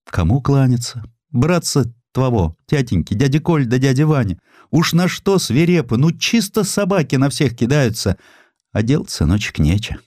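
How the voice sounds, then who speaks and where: A man's voice: mid-range voice, sing-song, normal speed, mellow, dry recording, clean studio sound, voice pushed up. A man voicing a humble widowed mother who pleads in plaintive, folksy speech in an audiobook story. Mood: tearful resolve. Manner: plaintive, folksy dialect wording.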